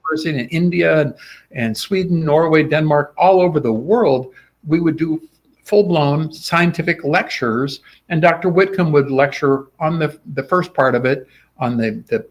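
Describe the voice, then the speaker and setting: Middle-aged man, fairly high voice, animated storyteller, acts out quoted lines, casual interview guest. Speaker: guest, sword swallower.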